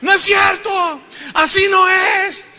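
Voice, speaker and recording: A man preaching a sermon and putting on a shrill, heckling wife of an old philosopher who shrieks protests from the back. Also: steady tone, slow, heavy background noise. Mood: indignant shouting.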